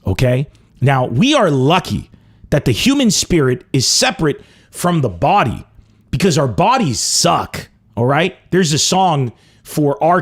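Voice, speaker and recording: A young adult man from Lebanon hosting a comedy podcast, delivering a mock-dramatic comic monologue. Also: slightly rough. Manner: animated, mock-dramatic swings in pitch and pace.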